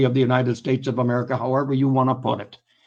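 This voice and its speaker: This man talks at a medium pitch. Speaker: political livestream host. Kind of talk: live stream commentary reading viewer comments. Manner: halting, many repetitions and fillers.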